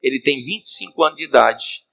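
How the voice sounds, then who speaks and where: A man's voice: mid-range voice, fairly quick, vocal fry. A man preaching in a church, telling a story as a sermon and calling out to the congregation, with a Cearense Brazilian Portuguese accent. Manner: animated, addresses the congregation directly. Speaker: bishop, preacher.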